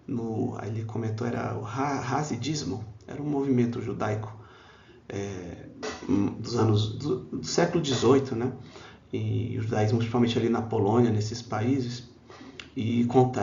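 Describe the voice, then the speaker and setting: A Brazilian man gives a spiritist public talk with a slightly gravelly, mid-pitched voice. He speaks in a conversational way, often tags lines with "né?", and acts out the people he quotes. The recording is echoey and dull, as if captured in a lecture hall. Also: darkish tone. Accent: Brazilian Portuguese.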